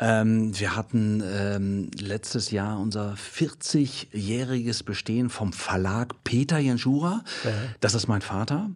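A man speaks at a very slow pace in a fairly low pitch. His pitch variation is ordinary. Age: 50s. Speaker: company representative and nutrition expert. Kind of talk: interview conversation. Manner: hesitant with frequent fillers.

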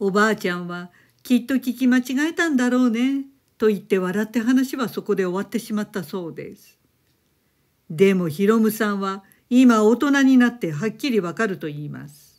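A woman with an ordinary speaking voice and a fairly high pitch talks at a moderate pace with lively intonation and big swings in loudness, on a very clean recording with a silent background. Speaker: ghost story narrator. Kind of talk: ghost story narration, reading aloud a true-story account. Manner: polite, formal.

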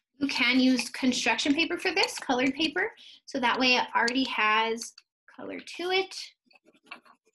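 A woman projects a raised voice with a bright, sharp tone. Her loudness swings widely over light background noise. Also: lively intonation, moderate pace. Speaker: art teacher. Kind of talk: tutorial. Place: home room. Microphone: webcam.

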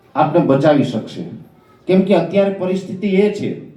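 Over noticeable background noise and audible room echo, a man speaks with fairly even intonation. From Gujarat, Saurashtra (Junagadh district, Gir). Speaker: weather forecaster. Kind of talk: public speech to farmers.

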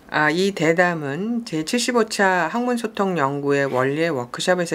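A woman with lively intonation at a fairly slow pace. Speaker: professor, session moderator. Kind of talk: moderated interview, asking questions.

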